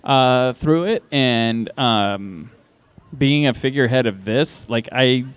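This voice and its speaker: Rambling male storyteller, mid-pitched and dry. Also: slow, smooth, no room sound. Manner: rambling, with many restarts and asides. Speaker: convention organizer and guest. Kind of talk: casual anecdotal storytelling. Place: live podcast stage at a convention.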